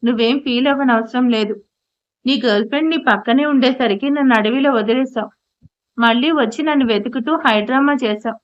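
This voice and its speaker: A woman's voice: fairly high pitch, fairly quick, close to an everyday voice. A woman voicing a hurt young wife who speaks reproachfully through tears. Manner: reproachful, tearful. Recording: dull lo-fi audio.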